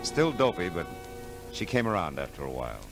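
A weary, protective private eye from old radio noir. His pitch moves freely in a clipped, wry, tough-talking delivery. It is an old radio broadcast with music behind. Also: sing-song, fairly quick. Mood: terse narrating. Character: hard-boiled male private detective, wry, weary, protective. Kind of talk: 1950s radio drama acting and noir narration.

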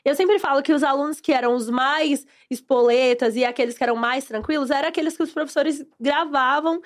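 High-voiced fast-talking Brazilian woman. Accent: Brazilian Portuguese. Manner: lively storytelling, acting out classroom voices. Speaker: podcast guest, former teacher. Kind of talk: casual chat.

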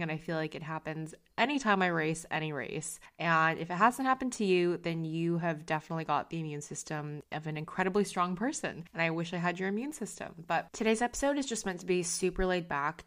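A woman hosting a podcast in a relaxed, chatty way, a little congested and nasal from a cold. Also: lowish voice, clean tone. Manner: chatty, relaxed, lots of fillers. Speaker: podcast host. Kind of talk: casual chat.

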